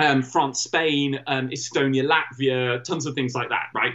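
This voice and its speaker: A man talks at a moderate pace and a fairly high pitch, with noticeable background noise around him. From Britain. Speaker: EU politics and cross-border rail campaigner. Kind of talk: casual chat.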